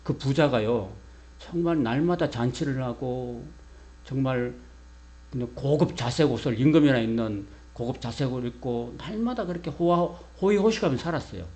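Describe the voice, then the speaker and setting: A man's voice: medium pitch, moderate pace, darkish tone. A pastor preaching a sermon. He keeps asking the congregation questions and answering them himself, and leads them in call and response.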